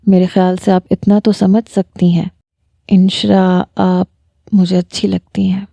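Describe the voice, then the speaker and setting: A woman voicing a smitten young male doctor who speaks softly and earnestly, read out in a story. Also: mid-range voice, level tone, gravelly, no echo, clean studio sound. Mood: pleading. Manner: soft, coaxing and earnest. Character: young man, a smitten doctor, gentle and persistent. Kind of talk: story narration.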